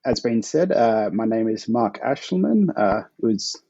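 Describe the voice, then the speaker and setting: A forty-year-old Australian man chatting casually and in a low-key way as an author guest on a podcast. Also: very animated, measured pace, gravelly, warm tone, slightly rough, dull audio. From Perth, Australia.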